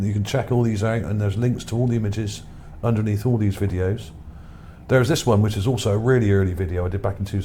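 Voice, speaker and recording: Low, mellow male video commentator, musing. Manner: musing, tentative, hesitant. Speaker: video narrator presenting own image finds. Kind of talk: casual, unscripted screen commentary. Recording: background noise under the voice.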